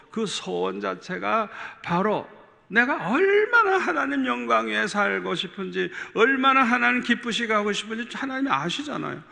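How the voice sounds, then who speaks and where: Gravelly high-voiced preacher man. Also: sharp tone. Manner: emphatic, storytelling, repeats words for stress. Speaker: pastor. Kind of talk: sermon testimony. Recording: long hall reverb.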